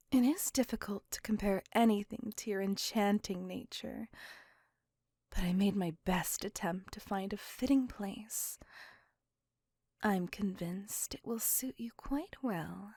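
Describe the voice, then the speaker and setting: A woman voicing a courteous, possessive female vampire on a date, speaking in a soft, formal and reassuring whisper. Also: medium pitch, no echo, clean studio sound. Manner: formal, slow, intimate and reassuring. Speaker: voice actor. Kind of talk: ASMR roleplay.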